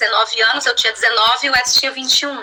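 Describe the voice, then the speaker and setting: Ordinary pitch variation runs through a raised, projected voice. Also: woman. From Brazil, São Paulo city. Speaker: pastor's wife. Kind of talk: testimony. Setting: online live stream.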